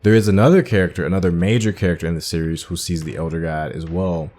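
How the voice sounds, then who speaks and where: A man's voice: low-pitched, fairly even intonation, fast, a little mellow. A man hosting a gaming playthrough, giving informal commentary and thinking aloud as he goes. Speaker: gaming host. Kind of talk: casual game commentary.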